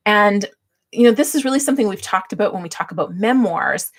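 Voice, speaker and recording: Slightly husky woman, chatty livestream host. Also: medium pitch, animated, a little fast. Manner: chatty, laughs readily as she talks. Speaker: livestream host giving book-writing tips. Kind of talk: casual livestream teaching talk with chat replies.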